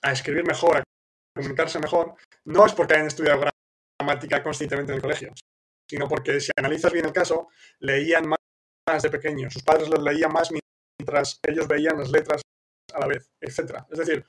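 A man's voice: a little high, little pitch movement, brisk, fairly bright tone, breathy edge. A man who speaks Spanish as his first language, hosting a live question-and-answer session, thinking aloud with many restarts and fillers and checking in with his listeners.

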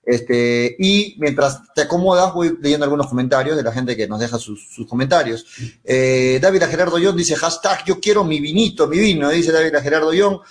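A man's voice: on the high side, moderate pace. A man hosting a casual live show, upbeat, wrapping up and reading comments. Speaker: host.

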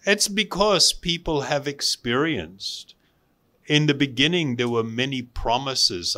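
A man giving an instructional spiritual talk to a group as a meditation teacher, speaking deliberately in short phrases with pauses. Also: mid-range voice, bright, forceful tone.

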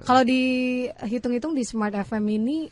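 Woman in her thirties, radio announcer, talkative and laughing often, a touch high-pitched, studio mic. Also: normal speed, a little mellow. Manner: chatty, laughs often, tells stories with lots of fillers. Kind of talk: casual studio chat.

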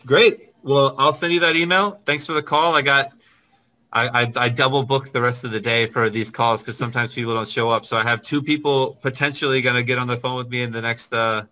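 Chatty male business host, friendly and quick, bright forceful voice. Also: medium pitch, steady tone. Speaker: business consultant and channel host. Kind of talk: casual video call, then talking to camera.

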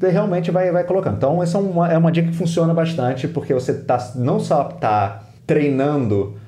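A man's voice: fairly high pitch, brisk, mellow, soft background music. Brazilian man explaining, in an echoey room. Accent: Brazilian Portuguese. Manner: explanatory, acts out students' inner voices. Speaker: English teacher, guest. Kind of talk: podcast interview.

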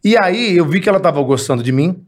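A man, a podcast guest telling stories with jokes in casual chat. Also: high-pitched. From Ceará, Brazil. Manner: fast, animated storytelling with jokes.

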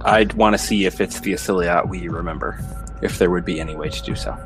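Very low-pitched male tabletop player. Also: brisk. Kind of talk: casual in-character roleplay and table talk. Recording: loud music bed behind the voice. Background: music.

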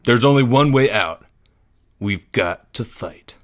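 A man's voice: animated, slow pace, fairly bright tone. A man plays a determined boy leader in a storybook adventure. He is terse and grim, muttering and hissing with serious intent. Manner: low grunting, hissing, muttering.

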